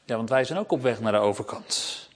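A man preaching a sermon as pastor, speaking in a lively way and turning directly to the children. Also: mid-range voice, a little fast, big-room sound.

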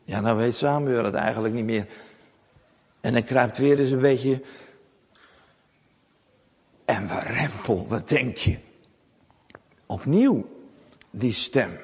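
Man telling kids a bible story, slow and bouncy, breathy voice, echoey room. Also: medium pitch. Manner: lively, animated, addresses children with questions.

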